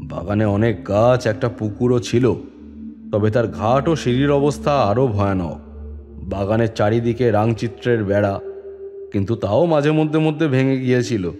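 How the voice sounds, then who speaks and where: A man narrating a detective story in the first person and voicing the police inspector with a measured, authoritative manner. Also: mid-range voice, mellow. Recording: long reverb with music bed.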